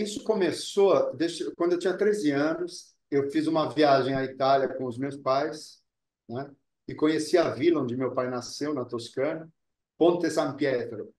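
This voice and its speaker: A man being interviewed as an actor, talking earnestly and deliberately, often repeating words as he searches for them, and Italian was his first language. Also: medium pitch, darkish tone, reverberant. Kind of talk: reflective interview talk.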